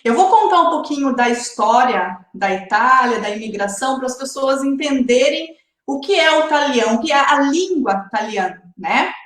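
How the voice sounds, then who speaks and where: A woman's voice: high-pitched, lively intonation, moderate pace, few pauses, roomy sound. A woman hosting a live online interview series, chatty and often adding tag questions. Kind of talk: casual live-stream hosting.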